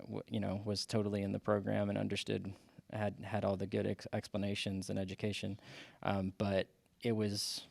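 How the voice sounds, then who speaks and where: A man in his forties talking casually as a podcast guest, halting with many restarts and fillers. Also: lowish voice, creaky, a little mellow, no room sound. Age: 40s. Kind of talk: casual interview chat.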